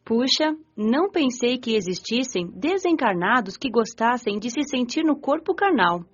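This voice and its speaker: A Brazilian woman playing an earnest, compassionate young spirit who narrates her afterlife in a measured way for a radio novel. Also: fairly high pitch, big pitch swings, slightly rough. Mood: earnest, reflective. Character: nineteen-year-old female spirit recalling her afterlife, earnest and compassionate. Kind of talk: scripted first-person audiobook narration, radio novel. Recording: dull lo-fi audio with music. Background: music.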